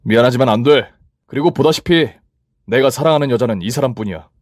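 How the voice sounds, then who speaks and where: A man voicing a boyfriend, a company boss, calm and a little hesitant. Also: medium pitch, fast talker, no echo, studio quality, lightly acted.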